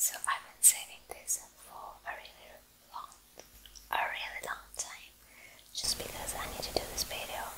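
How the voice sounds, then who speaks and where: A woman whispers at a fairly slow pace. Her speech has long, frequent pauses. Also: big swings in loudness. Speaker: YouTuber. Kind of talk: ASMR whisper talk to camera. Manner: whispered, secretive. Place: home room. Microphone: earbuds.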